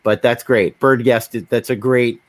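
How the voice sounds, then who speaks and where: A man's voice: medium pitch, flat delivery, unhurried, no echo. A man hosting a casual podcast, talking in a wry, digressive way. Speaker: podcast host.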